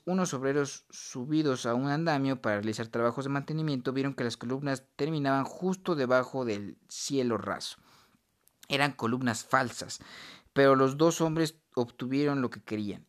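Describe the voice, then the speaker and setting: Male reader, mid-range voice, deliberate nonfiction read-aloud with small restarts. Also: mid-range voice. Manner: unhurried reading with pauses and self-corrections. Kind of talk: reading a nonfiction book aloud.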